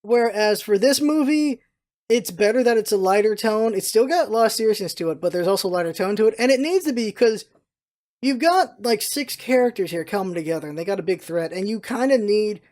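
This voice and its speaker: Vlog host, medium pitch. Casual, opinionated commentary, emphatic and exasperated, prone to ranting. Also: darkish tone.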